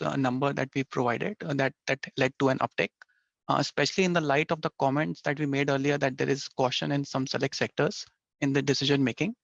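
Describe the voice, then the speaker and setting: Guy analyst w lots of vocal fry, highish voice, polite, dry dull phone audio. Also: a bit bright, no room sound. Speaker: financial analyst asking questions. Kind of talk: earnings call questions. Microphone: phone or conference call line. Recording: dull, dry lo-fi call line.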